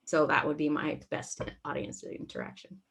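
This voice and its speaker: A woman's voice: low voice, little pitch movement, moderate pace, creaky, fairly bright tone. A woman who works in theatre, telling anecdotes in a casual panel chat and acting out reactions as she goes. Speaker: actor and stage manager.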